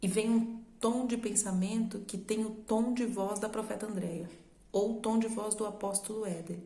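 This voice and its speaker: A woman's voice: medium pitch, steady tone, moderate pace, dark tone, reverberant. A woman with a Brazilian Portuguese accent, preaching a sermon in a conversational, explaining way that uses rhetorical questions. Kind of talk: sermon teaching.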